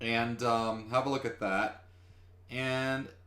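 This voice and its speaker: Audible room echo surrounds the speaker. He is a man with a medium-pitched voice. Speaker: programming tutorial youtuber. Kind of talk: tutorial. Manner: hesitant, many fillers.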